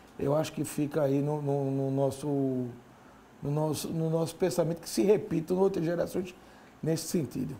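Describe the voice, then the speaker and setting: Pitched fairly high for a man, his somewhat breathy voice carries a dark, mellow tone at a moderate pace with ordinary pitch variation. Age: 40s. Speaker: yacht club commodore; interview guest. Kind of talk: TV interview. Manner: halting, many repetitions. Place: studio. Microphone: lapel.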